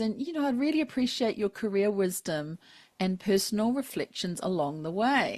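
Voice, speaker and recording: In a very clean recording with a silent background, a woman speaks at a moderate pace. Her fairly high, somewhat breathy voice has lively intonation. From New Zealand. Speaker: podcast host, lawyer. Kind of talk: interview podcast.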